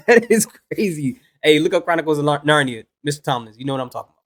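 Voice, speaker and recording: A man's voice: a little high, animated. A man hosting a reaction video, chatting casually and laughing as he jokes along. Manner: laughs a lot, quick joking asides.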